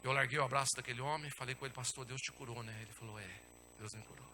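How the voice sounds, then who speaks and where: A man preaching a sermon and telling a personal testimony, with dramatic storytelling that swings from hushed to shouting and repeatedly addresses the congregation as brothers. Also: medium pitch, fairly even intonation, rapid-fire, slight background noise. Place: church.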